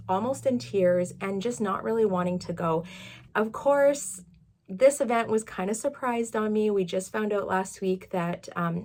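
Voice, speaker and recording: Woman, 30s, vlog host, chatty, upbeat, middle pitch. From Canada. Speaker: YouTube reselling channel host. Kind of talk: casual chatty work-with-me vlog.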